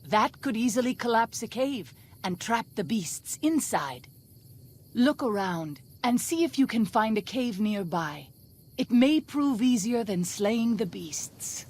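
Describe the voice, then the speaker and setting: A woman playing a proud, earnest tribal scout in a video game, speaking in formal, deliberate phrases. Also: fairly high pitch, expressive, a little mellow. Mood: watchful, resolute. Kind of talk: video game dialogue acting.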